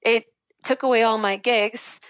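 A woman's voice: fairly high pitch, steady tone, unhurried, no echo. A woman musician who grew up in the Dominican Republic, chatting casually as a guest and laughing often. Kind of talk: casual interview chat.

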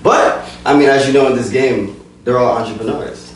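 A man with a New Jersey accent hosting an interview for a magazine, energetic and repeating his phrases for hype. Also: medium pitch, moderate pace, over a noisy crowd. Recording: echoey room from a distance.

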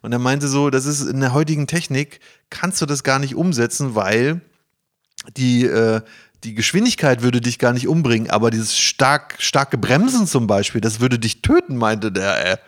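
A man hosting a podcast, chatting casually in a halting, informal and excitable way. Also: medium pitch. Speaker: podcast host. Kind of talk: casual chat, presenting to co-hosts.

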